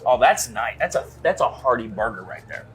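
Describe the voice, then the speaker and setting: Animated guy hosting a food segment in a diner, eats and talks at once, voice swings all over. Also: mid-range voice, fairly quick, soft background music. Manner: enthusiastic, jokey, talks while eating. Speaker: food show host. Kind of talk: casual food tasting chat.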